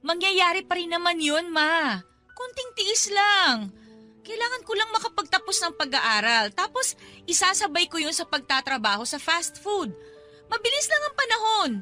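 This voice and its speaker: An actress playing a principled young student daughter in a Tagalog radio drama, emotional and protesting. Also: female voice, very high voice, sing-song, moderate pace, bright, forceful tone, full character voice. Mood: earnest, pleading. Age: young adult. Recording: background music under dialogue.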